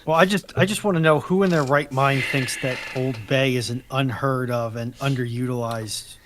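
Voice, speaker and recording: A man's voice: mid-range voice, moderate pace. A man co-hosting a casual live chat and reading out audience questions, with slight noise on the recording.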